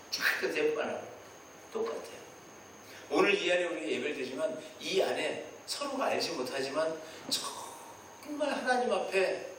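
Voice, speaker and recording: High, lively pastor in an echoey hall. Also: male voice, slight background noise. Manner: animated preaching, acting out prayers and God's replies in quoted voices. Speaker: senior pastor. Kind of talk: sermon. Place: church sanctuary. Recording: distant mic in a very echoey church hall.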